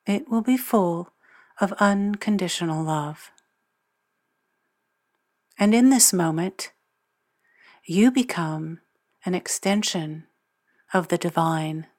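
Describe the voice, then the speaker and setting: A woman narrating a guided meditation as its guide, speaking in measured, deliberate phrases with long pauses. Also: fairly low pitch.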